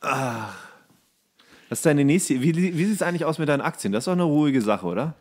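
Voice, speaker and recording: A man's voice: fairly high pitch, animated, brisk. A man co-hosting a podcast in casual banter, with a colloquial, exasperated, teasing way of talking. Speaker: podcast co-host. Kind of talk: casual banter between friends.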